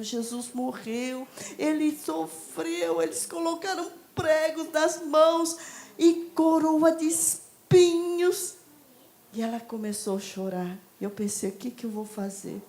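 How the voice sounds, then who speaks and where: A woman teaching a children's ministry training session in church, telling stories with lively acted-out voices and leading a group through repeated lines. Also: on the high side. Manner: lively, acts out stories, leads group repetition.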